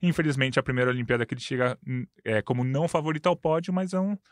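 A man in his thirties with a Brazilian Portuguese accent, talking sports in a casual chat, quick and full of stats. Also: mid-range voice, no room sound, clean studio sound. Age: 30s. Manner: quick, detailed stats-heavy talk. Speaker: sports commentator.

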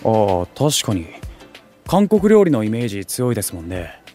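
An actor playing an excitable young otaku food streamer in an audio drama, talking in geeky slang with exaggerated reactions and junior-style politeness. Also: male voice, on the low side, moderate pace, soft background music. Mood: enthusiastic. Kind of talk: Japanese audio drama acting.

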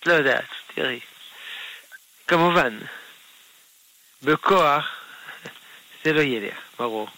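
A man, a rabbi, answering listener questions on a radio call-in show in a gentle, unhurried way. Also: a little high, expressive, dry recording, poor audio. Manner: gentle, unhurried, explains patiently with soft laughs.

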